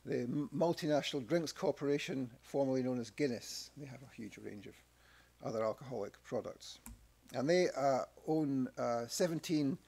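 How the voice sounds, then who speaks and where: A man's voice: medium pitch, moderate pace, creaky, a little mellow, slightly rough. A middle-aged man with a Scottish accent giving a conference presentation at a podium microphone, with dry asides and frequent restarts. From Scotland. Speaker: academic researcher presenting. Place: press club conference room.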